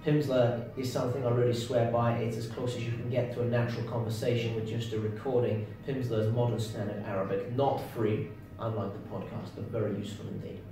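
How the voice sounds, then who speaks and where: British guy chatting, dry humor, lots of uhs, boomy echoey room, mic kinda far. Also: level tone, fairly quick. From Britain. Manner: dry, understated, hesitant with many uh fillers. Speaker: co-host. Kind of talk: casual chat. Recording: echoey room, distant mic, faint music.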